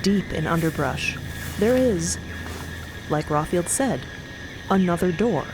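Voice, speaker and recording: A woman's voice: fairly low pitch, lively intonation, slow, noisy background. A woman narrator reading scripted, dramatic storytelling for an audio drama.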